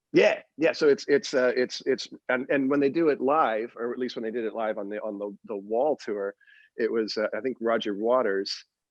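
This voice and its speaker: With a Canadian accent, a man talks at a moderate pace and medium pitch, with ordinary pitch variation. The recording sounds dry and close, with no echo. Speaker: comedian. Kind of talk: casual chat. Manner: halting.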